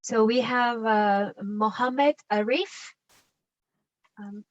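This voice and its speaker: A woman's voice: a little high, extremely slow, no room sound. A woman co-moderating an online session, hesitantly calling on participants. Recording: dull, dry online call audio.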